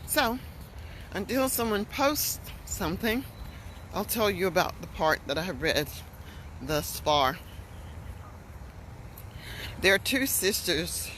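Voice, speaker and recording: Slow-talking American woman coach outdoors. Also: fairly low pitch, a bit bright, low-quality recording. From North Carolina, USA. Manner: slow, deliberate teacher talk while walking. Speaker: English coach. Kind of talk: live-streamed walking chat. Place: outdoor boardwalk. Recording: outdoor noise with passing traffic.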